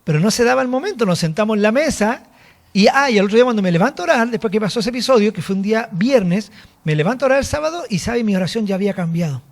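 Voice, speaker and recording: An apostle from Chile preaches a sermon and shares a personal testimony, acting out the dialogue in an animated storytelling style. His voice sits high and moves very fast.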